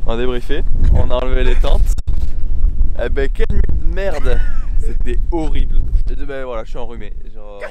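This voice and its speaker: A young man vlogging outdoors on a seaside camping trip, talking casually with lots of filler pauses into a handheld camera. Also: medium pitch, very noisy. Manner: relaxed, rambling, many filler pauses. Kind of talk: casual travel vlog. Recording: background music under the voice.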